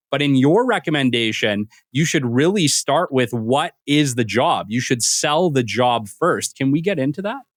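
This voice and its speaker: An unremarkable speaking voice from a man, fairly high in pitch, with lively intonation, very even loudness, a moderate pace and hardly any pauses, on a very clean recording with a silent background and a dry, close sound with no echo. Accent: Canadian. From Alberta, Canada. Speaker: podcast host. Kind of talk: interview.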